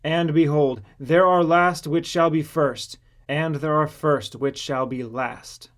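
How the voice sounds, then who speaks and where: Guy doing a firm preaching teacher in a bible audiobook, bit high, solemn and exhorting. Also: steady tone, takes it slowly, fairly bright tone. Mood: firm, emphatic.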